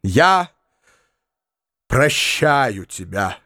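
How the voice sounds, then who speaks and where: A man's voice: medium pitch, very animated, drawn-out words, bright, forceful tone, exaggerated voice. A man voicing a pompous, self-pitying male hypocrite in an audiobook, declaiming indignantly and melodramatically. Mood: magnanimous. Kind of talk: audiobook reading.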